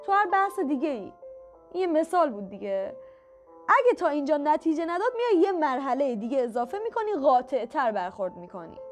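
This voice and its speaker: A woman teaching how to ask for things calmly, patiently repeating each step with examples. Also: high-pitched, faint music behind. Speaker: communication skills teacher. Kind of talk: instructional talk to camera.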